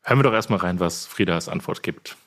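A man's voice: low-pitched, fast talker, fairly bright tone. A man moderating a casual podcast quiz, reading out questions and ruling on the answers as quiz master.

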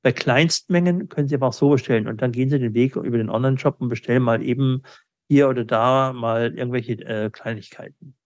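A middle-aged man with a medium-pitched voice gives reflective interview answers about business. He speaks haltingly, with pauses mid-sentence. The sound is dry and close. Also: dry recording. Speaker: interviewee, company owner and sales agent.

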